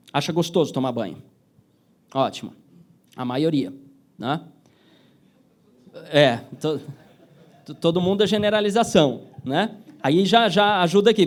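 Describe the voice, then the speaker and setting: A man with a Brazilian accent giving an interactive motivational talk, often asking the audience yes or no and acting out little everyday scenes. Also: sits high. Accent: Brazilian Portuguese. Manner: lively, asks the audience yes-or-no questions, acts out little scenes.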